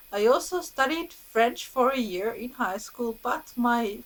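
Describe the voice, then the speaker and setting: In a Finnish accent, a woman speaks at a fairly high pitch with ordinary pitch variation. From Finland. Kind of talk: casual talk to camera.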